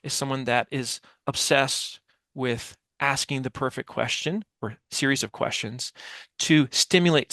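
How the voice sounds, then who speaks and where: A man in his forties speaks as an expert guest, with some creak in a mid-pitched voice. He explains emphatically, posing questions and repeating phrases. The headset sound is dry, with little room in it. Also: fairly bright tone, dry recording. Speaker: guest, communication expert and author. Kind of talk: explanatory interview talk with acted-out example dialogue. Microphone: headset mic on a video call.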